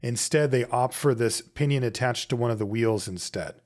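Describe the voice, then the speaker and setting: Man, mid-pitched voice, casual step-by-step narration, chatty, conversational, thinking aloud. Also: normal speed, a little mellow. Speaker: host of a watch repair channel.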